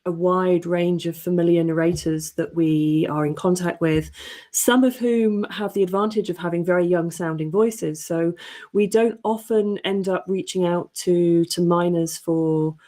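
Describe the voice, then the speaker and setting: Female panelist, mellow and fairly low, articulate and earnest in discussion. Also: steady tone, a little slow. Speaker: podcast editor, panelist. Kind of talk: considered panel discussion talk.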